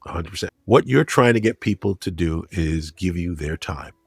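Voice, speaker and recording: A man with a low, husky voice talks through his points in an interview. He explains with examples and rhetorical questions, in a close, dry recording with faint music underneath. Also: animated, normal speed, no echo. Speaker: guest, media critic and broadcaster. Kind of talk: conversational interview, giving advice.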